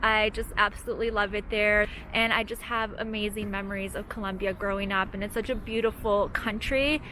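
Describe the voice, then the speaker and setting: A woman's voice: mid-range voice, fairly even intonation, fairly quick, sharp tone, a little hiss or hum, poor audio. A young Canadian woman chatting casually to her viewers while walking through a city with a handheld camera. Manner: chatty, upbeat, addresses viewers directly. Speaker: vlogger. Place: outdoors in a city street.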